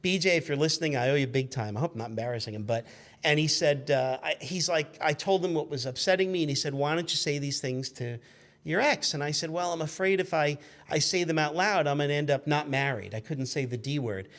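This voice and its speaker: Rambling, higher-pitched middle-aged man. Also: a little fast. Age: 50s. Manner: animated, rambling, acts out remembered quotes. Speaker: guest telling stories. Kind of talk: casual anecdotal storytelling.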